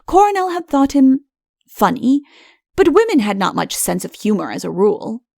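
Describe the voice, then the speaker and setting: A woman's voice: on the high side, big pitch swings, moderate pace, gravelly, a little mellow, no echo, studio quality. A woman reading a comic fairy tale as an audiobook narrator, in scripted storytelling style.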